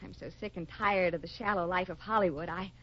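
A woman's voice: lowish voice, fairly even intonation, a little fast. A woman playing a flirtatious, scheming movie actress with a gushing, theatrical manner in a 1950s radio drama. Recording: dull old 1950s radio recording.

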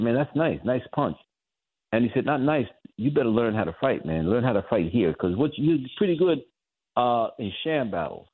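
A man, a guest on a radio talk show, telling a story with lively acted-out voices. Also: mid-range voice. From New York. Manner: animated storyteller acting out voices of others. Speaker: guest author. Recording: tinny phone line.

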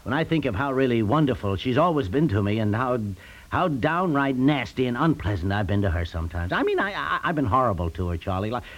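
An actor playing an anxious husband in an old-time radio drama, blustering and remorseful in turn. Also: male voice, medium pitch, very animated, fairly quick, rough recording. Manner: blustering, self-reproaching, rising to indignant shouts.

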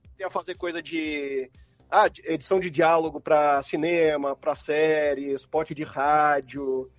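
A Brazilian man in his thirties talks casually as a podcast guest. His voice is clearly high for a man. The recording is dry, with no room sound, and he speaks with a Brazilian Portuguese accent. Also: steady tone, unhurried, dry recording, faint music behind. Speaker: podcast guest, audio producer. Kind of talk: casual chat.

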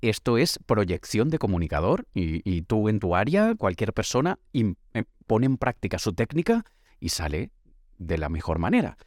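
A man's voice: fairly low pitch, very animated, moderate pace, darkish tone, dry recording, clean studio sound. A man, giving a motivational podcast monologue in a projected, emphatic voice into a microphone. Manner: projected, emphatic announcer-style delivery. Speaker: podcast host and author. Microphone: studio microphone.

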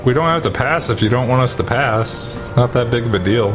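A man playing a tabletop game, improvising casual role-play in a deadpan manner. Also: mid-range voice, a little fast, over loud music.

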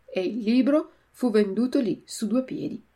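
A woman teacher reads a story aloud slowly, voicing each character differently, then works through a glossary of words. Her voice is a little high with a warm tone.

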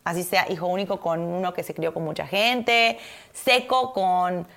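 Woman podcast co-host, gravelly voice, lively, emphatic casual chat. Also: on the low side, a little slow. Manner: animated, emphatic, repeats words for effect.

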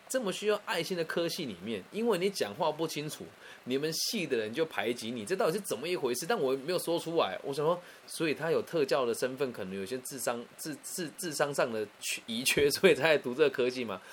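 A man with a Taiwanese Mandarin accent telling a personal story in a chatty, animated way, often restarting and adding asides. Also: fairly high pitch, a little hiss or hum.

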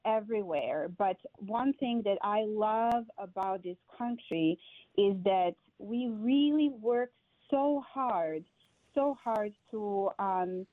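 Mulher sérvia sincera, áudio de chamada. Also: female voice, medium pitch, dry recording. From Serbia. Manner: earnest, reflective, with hesitations. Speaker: survivor advocate guest. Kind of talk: remote interview. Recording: dry tinny call audio.

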